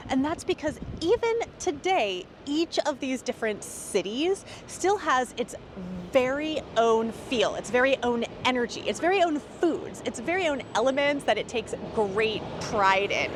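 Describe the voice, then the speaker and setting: A woman giving casual travel tips in a chatty, explanatory way, filming on city streets and in a car. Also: a little high. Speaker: travel vlogger. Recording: outdoor street noise and crowd.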